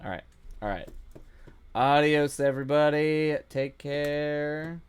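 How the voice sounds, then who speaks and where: A man hosting a casual live stream, rambling with halting restarts and laughing often, his voice starting to go hoarse. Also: fairly high pitch, no echo. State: voice going hoarse. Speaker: streamer host.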